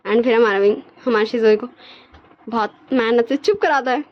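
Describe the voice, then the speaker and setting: A high-voiced woman narrating a fan story in a casual, homemade way, often tripping over and repeating her words. The recording sounds dull and lo-fi. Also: moderate pace.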